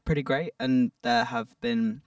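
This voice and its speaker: A man's voice: medium pitch, a little slow, no room sound, studio quality, recorded from a distance. A man, a guest actor, chatting casually on a podcast, laughing often.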